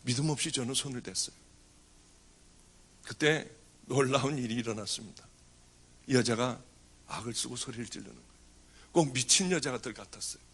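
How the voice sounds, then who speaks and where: A middle-aged man, a pastor, giving an animated testimony in a sermon. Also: mid-range voice, moderate pace, long pauses, husky. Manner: animated storytelling, voice rising and falling.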